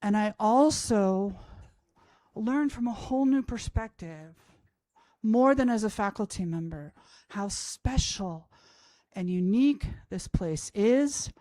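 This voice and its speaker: A warm, mid-range voice with lively intonation and a slow pace belongs to an Austrian language professor in her fifties. Before an audience at a college event, she tells a self-mocking, wry story from her own life, with no echo in the audio.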